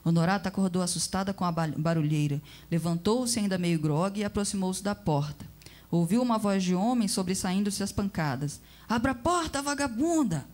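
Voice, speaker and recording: A woman reading a story aloud with expressive, measured narration. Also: on the low side.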